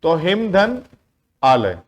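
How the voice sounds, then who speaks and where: A man's voice: on the high side, wildly swooping pitch. A man teaching an exam-prep grammar lesson, often asking his students a question and answering it himself. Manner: asks the class questions and answers them himself, drawn-out words.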